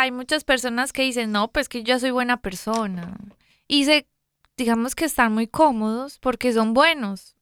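Woman, smooth clear voice, chatty, faith co-host. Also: a little high, a bit bright, dry recording, clean studio sound. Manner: chatty, laughs often, says o sea often. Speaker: co-host of a Catholic radio program. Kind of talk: casual faith chat.

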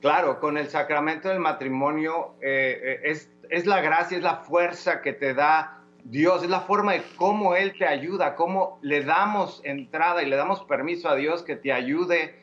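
A man answering interview questions about his faith, measured and hesitant, with restarts. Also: on the high side, fairly bright tone, highs cut off. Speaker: guest giving testimony.

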